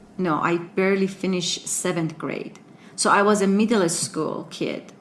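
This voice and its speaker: A woman speaks with a Persian accent at a medium pitch. Her intonation is fairly even, and there is noticeable background noise. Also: moderate pace. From Iran. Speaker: refugee, immigrant interviewee. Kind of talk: interview, personal story. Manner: halting, with fillers.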